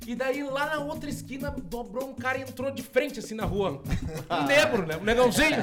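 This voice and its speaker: Male podcast co-host, southern Brazilian accent, high-pitched, animated storyteller. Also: fairly quick, over music. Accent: Rio Grande do Sul Portuguese. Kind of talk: casual storytelling chat.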